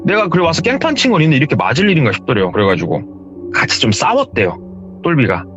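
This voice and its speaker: A man's voice: a little high, fast talker, muffled recording, music in the background. A man vividly retelling a true horror story he heard, in a casual interview. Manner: lively, vivid storytelling with hearsay phrasing. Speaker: storyteller guest.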